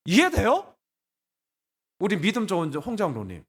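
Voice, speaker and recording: A man preaching a Sunday sermon as pastor, animated and conversational, blunt and colloquial, asking his congregation rhetorical questions. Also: on the high side, moderate pace. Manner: blunt, colloquial, laughing at times. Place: church sanctuary.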